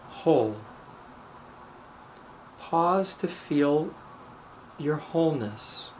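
A man speaking as a rabbi leading a guided meditation, measured and deliberate, pausing between short phrases and reciting blessings. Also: on the high side, a little hiss or hum.

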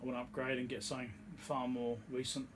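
A man's voice: medium pitch, monotone, quick pace, noisy background. A man giving a casual, hesitant workbench demonstration, rambling in an understated way in a home workshop. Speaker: electronics repair video host. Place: home electronics workshop, indoors.

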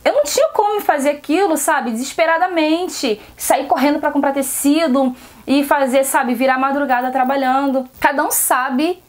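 A woman's voice: high-pitched, moderate pace. A seamstress with a Brazilian Portuguese accent talks frankly to her viewers in a casual advice vlog, often asking rhetorical questions. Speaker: seamstress vlogger.

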